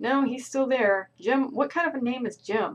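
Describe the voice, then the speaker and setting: A woman puts on a nasal character voice pitched high. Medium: read story. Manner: nervous, timid.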